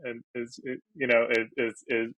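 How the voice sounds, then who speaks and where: A man's voice: medium pitch, level tone, moderate pace, fairly bright tone, no room sound, low-quality recording. A Portuguese-native man from Brazil, a podcast guest, talking casually and thinking aloud with many fillers and restarts. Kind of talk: casual interview talk.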